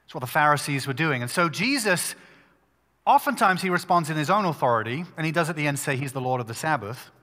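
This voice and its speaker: Bright-voiced male pastor at a pulpit microphone. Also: on the high side, expressive, long reverb tail. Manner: conversational, emphatic preaching with quick restarts. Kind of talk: sermon.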